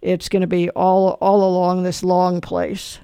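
Smooth-voiced host, dry and close. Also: medium pitch, completely flat delivery, unhurried, dark tone, no room sound. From Canada. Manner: rambling, self-deprecating, full of fillers. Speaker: radio show host. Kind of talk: casual radio talk.

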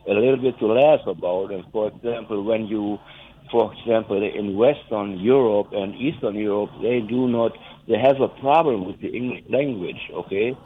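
Man, older, German accent, native German speaker, caller on a phone line, tinny telephone sound, rambling, halting. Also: lowish voice. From West Germany. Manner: rambling, halting, chuckling at his own jokes. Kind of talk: phoning in to a radio talk show.

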